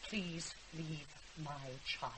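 A woman's voice: sits low, very slow, a bit bright, exaggerated voice. An actress playing an anxious, resentful middle-aged mother with an English accent in a British radio drama, by turns sarcastic and pleading. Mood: bitter, accusing. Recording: hissy, noisy radio drama recording.

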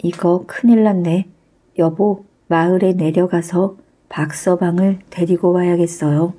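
A woman's voice: on the low side, fairly even intonation, unhurried. Woman doing a frightened poor farmer. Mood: worried. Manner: hushed and urgent.

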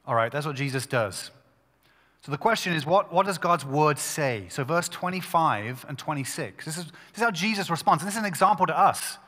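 A male pastor preaching a sermon at a pulpit microphone, talking in an emphatic, conversational way with quick restarts. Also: fairly high pitch, expressive, a bit bright, big-room sound.

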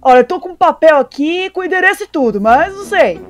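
High-pitched, dopey cartoon cat. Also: animated, fast. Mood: friendly, dopey. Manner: dopey, dim-witted drawl. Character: dopey male cartoon cat, friendly and teasing. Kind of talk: improvised Minecraft role-play.

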